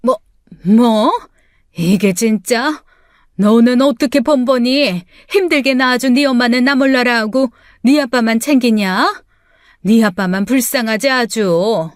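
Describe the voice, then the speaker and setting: A woman's voice: on the high side, a little slow, no room sound, studio quality, close to an everyday voice. A woman voicing a bitter, self-pitying middle-aged mother who scolds shrilly and snaps back sharply. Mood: indignant.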